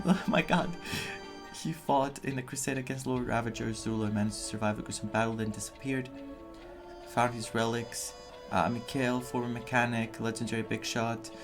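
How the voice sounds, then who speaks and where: A man giving casual, animated, rambling reactions as he plays through a game. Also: on the low side. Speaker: gaming streamer. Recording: game music under the commentary. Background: game music.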